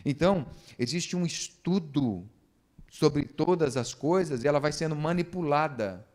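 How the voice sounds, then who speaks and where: A man preaches a sermon in a church service. His voice sits fairly high, and his delivery is animated, full of rhetorical questions put to the congregation. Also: a little slow. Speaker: pastor.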